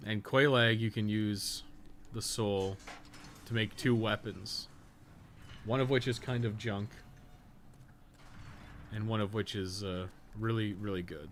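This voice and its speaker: Low-pitched man casually streaming a game. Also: steady tone, takes it slowly, long pauses. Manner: rambling, frequently swearing, slangy. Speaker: livestreamer, podcast co-host. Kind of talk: casual gaming stream commentary. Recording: noticeable background noise.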